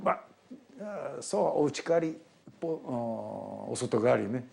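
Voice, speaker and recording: A man's voice: medium pitch, animated, slow pace, vocal fry, darkish tone. An older man from Japan with a Japanese accent, speaking simple, broken Portuguese with frequent tag questions in an interview. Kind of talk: documentary interview.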